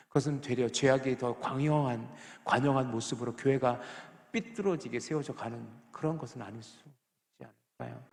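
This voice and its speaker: A male pastor delivers a Sunday sermon with a gravelly edge to his voice. He presses the congregation with rhetorical questions, dropping to a hush and then rising loud and emphatic. The sound rings around a church hall with a long reverb tail. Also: mid-range voice. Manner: swings from hushed to loud and emphatic. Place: church sanctuary.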